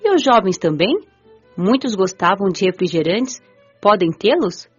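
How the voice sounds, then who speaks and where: An actress playing a gentle, curious young woman spirit who narrates her afterlife in a measured, earnest radio drama style. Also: medium pitch, lively intonation, husky. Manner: measured, earnest, careful storytelling. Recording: muffled audio with music underneath.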